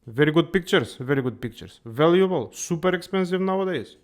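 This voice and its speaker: A man hosts a comedy finance show in a playful, overdone way. His voice sits a bit high for a man, and he keeps circling back to "my friends.". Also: lively intonation, a little fast. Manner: playful exaggerated Balkan-English delivery, repeats "my friends". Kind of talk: comedic character monologue.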